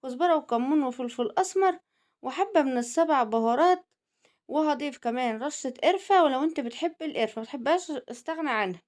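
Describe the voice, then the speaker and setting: Egyptian woman hosting a home cooking channel, high voice, quick chatty delivery, middle-aged. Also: animated, a little mellow. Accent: Egyptian Arabic. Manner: chatty, teasing, addresses viewers directly. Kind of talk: cooking video narration.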